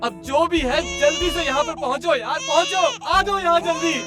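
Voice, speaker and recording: A flustered young father in a dubbed TV drama, talking in a high, light tone for a man. He coaxes and frets in turn. Music plays underneath. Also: moderate pace. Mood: exasperated. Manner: coaxing and fretful, turning to exasperated pleading. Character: young father fussing over his crying baby. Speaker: voice actor in a dubbed series. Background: background music.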